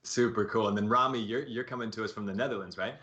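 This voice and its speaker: A man's voice: fairly low pitch, quick pace, sharp tone. A man hosting a livestream show in a casual, conversational style. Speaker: show host.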